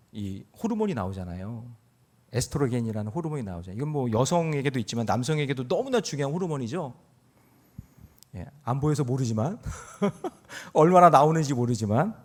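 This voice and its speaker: A middle-aged man preaching a Sunday sermon as pastor, chatty and joking, rising into forceful emphasis. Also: mid-range voice. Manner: lively and conversational, with jokes and rising emphasis. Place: church sanctuary.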